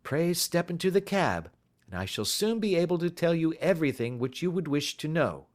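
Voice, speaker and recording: A man voicing a calm, shrewd gentleman detective who speaks blandly and with assurance in a storybook reading. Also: fairly high pitch, normal speed, voice pushed up, lightly acted. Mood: bland assured. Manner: bland, smooth and self-assured.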